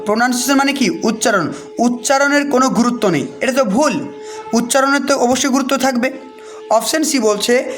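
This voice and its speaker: Man, West Bengal accent, very high voice; patient exam-prep teacher who reads quiz lines slowly, then explains them. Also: a bit bright. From West Bengal, India. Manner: explains patiently, often checks whether listeners understood. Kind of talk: recorded exam-prep lesson.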